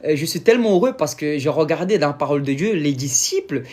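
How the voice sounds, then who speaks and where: A man from Brazil, a native Portuguese speaker with a Brazilian accent, giving an informal sermon in halting French with many fillers and pauses to search for words. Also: on the high side, animated, darkish tone. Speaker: preacher.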